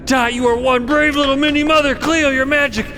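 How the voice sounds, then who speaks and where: A woman's voice: lowish voice, big pitch swings, a little fast, big-room sound, slight background noise, voice pushed up. A performer playing a brash, big-hearted woman spacefarer in an audio drama, slangy, blunt and effusive. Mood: relieved, elated, tearful.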